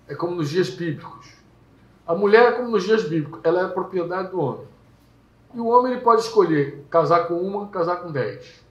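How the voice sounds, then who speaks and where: Carioca preacher telling a lively story. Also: male voice, high-pitched, brisk, dull audio. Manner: lively storytelling, acts out characters. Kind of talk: sermon. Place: small home gathering indoors. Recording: echoey room.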